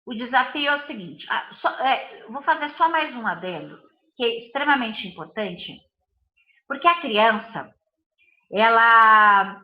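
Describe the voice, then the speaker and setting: A woman's voice: fairly high pitch, animated, normal speed, roomy sound, highs cut off. A woman with a Brazilian Portuguese accent, a body and behavior analyst giving a live talk to viewers, speaking emphatically in repeated lists of phrases.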